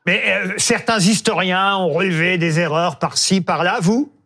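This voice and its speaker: Male talk-show host, high voice, brisk and playful with guests. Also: bright, forceful tone. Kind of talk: live news talk show.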